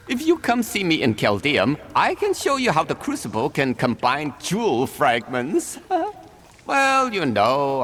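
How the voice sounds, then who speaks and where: A man's voice: mid-range voice, fairly bright tone, a little hiss or hum, full character voice. An actor playing an eccentric, cheerful old male jeweler in a video game, stammering and chuckling as he talks. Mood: fussy, chuckling. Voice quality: giggly, stammering, fussy.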